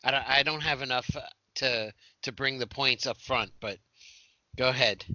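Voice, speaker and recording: A man co-hosting a podcast, speaking in halting bursts and admitting he was off his game. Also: medium pitch, steady tone, sharp tone, dry recording, dull audio. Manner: halting, self-deprecating. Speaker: podcast co-host. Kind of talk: casual banter.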